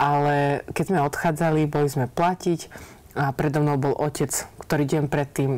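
A woman speaks in a very deep, low voice at a moderate pace. Her intonation is monotone and flat. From Kysuce, Slovakia. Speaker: stand-up comedian. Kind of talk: interview answer. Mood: warm, often smiling. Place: studio. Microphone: lapel.

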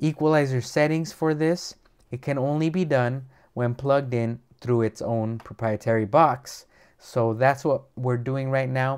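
A man at a fairly slow pace, fairly even intonation, and a quiet background. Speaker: tech reviewer. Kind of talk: tutorial. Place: home room. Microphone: lapel.

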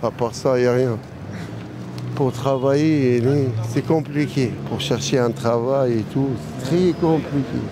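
A man at a very slow pace with fairly even intonation and long, frequent pauses, in a dry sound with no echo over noticeable background noise. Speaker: local resident. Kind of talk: street interview. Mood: matter-of-fact, slightly weary. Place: street. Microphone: handheld.

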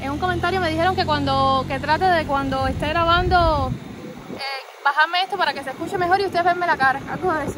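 A woman's high voice at a very fast pace, fairly even in intonation, dry with no echo, over noticeable background noise. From Cuba. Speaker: vlogger. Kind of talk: casual vlog talk to camera. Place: motorbike. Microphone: phone near.

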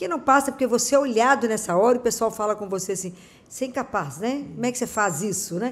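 A woman talks at a very fast pace in a fairly high voice, with ordinary pitch variation. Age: old. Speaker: doctor and podcast host; podcast host. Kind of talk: casual chat. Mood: warm, explanatory. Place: studio. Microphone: studio mic.

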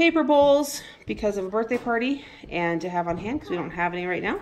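Faint music plays behind a woman who talks at a very fast pace. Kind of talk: casual vlog chat. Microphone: phone near.

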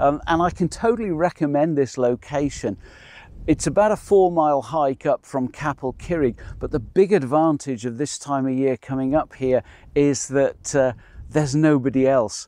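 Recorded with a dry sound and no echo, a man with a dark, mellow tone speaks at a moderate pace with ordinary pitch variation. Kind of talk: casual vlog chat. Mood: cheerful despite grey weather. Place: open country. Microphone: lapel.

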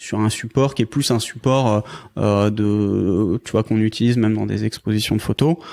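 At a moderate pace, a man speaks with fairly low pitch and fairly even intonation in a very clean recording with a silent background. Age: 30s. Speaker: street artist. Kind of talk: interview conversation. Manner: halting.

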